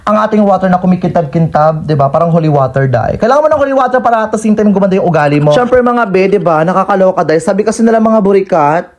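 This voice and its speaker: A man's voice: high voice, fast talker, hardly any pauses. A young man from the Philippines doing a sassy, campy, comedic voice-over for his mukbang vlog. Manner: campy, sassy and teasing, with constant playful asides. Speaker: vlogger.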